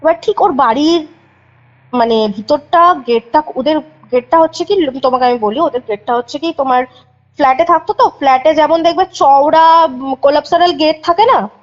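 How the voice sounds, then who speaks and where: A woman's voice: high-pitched, moderate pace. A young woman calling in to tell a ghost story in casual chat, rambling and correcting herself as she recounts it. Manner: rambling, self-correcting, vivid retelling. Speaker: caller telling a ghost story. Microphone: phone. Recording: muffled phone call.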